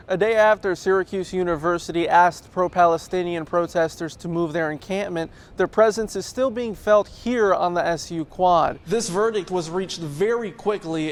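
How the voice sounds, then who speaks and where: A man reporting the news as a television reporter, reading a scripted report. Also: high voice.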